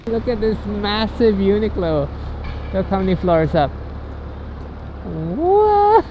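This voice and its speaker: A woman's voice: medium pitch, moderate pace, muffled recording. A woman narrating a casual travel vlog on the go, upbeat and chatty, from airports, streets and a hotel room. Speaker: travel vlogger. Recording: noisy street ambience.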